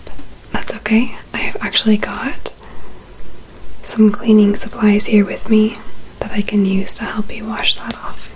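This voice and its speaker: A young adult woman doing a gentle, soothing ASMR roleplay in a breathy whisper, close to the microphone. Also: medium pitch, level tone, a little slow, pauses often, rough recording. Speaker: ASMR artist in a personal-attention roleplay. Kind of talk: soft-spoken ASMR roleplay. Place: small indoor room with curtains. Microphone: close USB condenser microphone.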